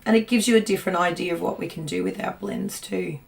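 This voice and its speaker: Woman, hoarse, raspy, low, set back from the mic. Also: quick pace, recorded from a distance. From Australia. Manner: chatty, reads viewer comments aloud, laughs often. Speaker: co-host of craft livestream. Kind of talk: casual livestream chat.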